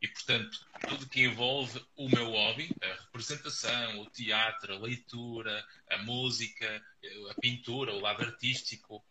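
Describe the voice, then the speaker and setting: A man from Portugal with a European Portuguese accent, speaking in a measured, thoughtful way on a casual live chat and reading out viewers' comments. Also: mid-range voice, steady tone, background noise. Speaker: psychologist co-hosting a live stream. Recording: dull lo-fi audio.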